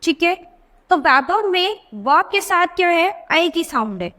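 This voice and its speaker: High-pitched woman teaching little kids to read, asks questions then answers them, drags out words to show sounds. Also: big pitch swings, a little slow, sharp tone. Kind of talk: children's lesson.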